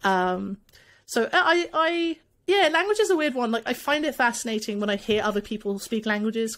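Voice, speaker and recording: Lively intonation marks a woman's fairly high voice with an English accent. The recording is very clean, with a silent background. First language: Farsi. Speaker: Magic player and event organiser. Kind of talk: casual chat. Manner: animated.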